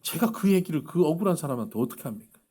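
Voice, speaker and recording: Male pastor preaching, tells stories and acts out the voices, lively ups and downs, kinda high voice. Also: racing, breathy edge. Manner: animated storytelling, acting out quoted voices. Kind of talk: sermon.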